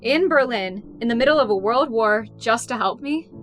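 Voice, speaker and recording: A woman playing a guarded, serious wartime spy in an audio drama, with a deadpan, wry manner. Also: a little high, normal speed, faint music behind. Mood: insistent, questioning.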